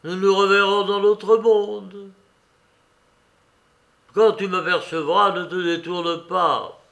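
A man voicing a brash condemned gypsy bandit with loud, boisterous, defiant outbursts in an audiobook. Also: high voice, little pitch movement, takes it slowly, creaky, pitched above the performer's own voice, heavily acted. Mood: exalted. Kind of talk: audiobook character voice.

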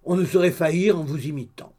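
A man's voice: on the high side, fairly quick, darkish tone, close to an everyday voice. A man voicing a pompous middle-aged grocer in an audiobook, speaking in a ceremonious, deferential way. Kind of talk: audiobook character reading.

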